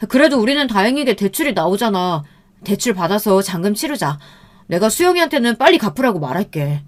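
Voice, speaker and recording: A woman's voice: on the low side, expressive, fairly quick, a little mellow, natural voice. A woman voicing an apologetic, evasive young husband in a story, placating and making excuses. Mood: pleading.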